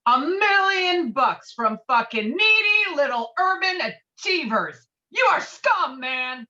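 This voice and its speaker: A combative, profane war veteran acted by a woman in a script read-through. The voice is high and very animated, heard through a slightly dull call connection. Every point is pushed hard and stubbornly. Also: takes it slowly, full character voice. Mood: belligerent. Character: Walter, hot-tempered, stubborn, bullying male war veteran. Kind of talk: virtual table read of a film script. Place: remote video call.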